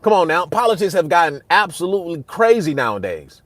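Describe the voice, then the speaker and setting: This young man runs a casual livestream and fires back at his chat heatedly and repetitively, getting loud and high when agitated. He is very animated and fairly quick, and there is no room sound.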